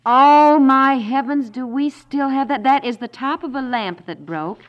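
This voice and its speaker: A woman playing a brisk, practical wife and mother in a naturalistic 1950s radio comedy, chatty and wry with gentle exasperation. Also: high voice. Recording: dull vintage 1950s radio recording.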